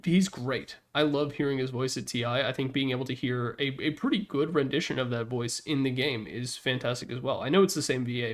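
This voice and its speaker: A man giving casual, opinionated commentary in an informal, blunt way, as a gaming content creator. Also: medium pitch.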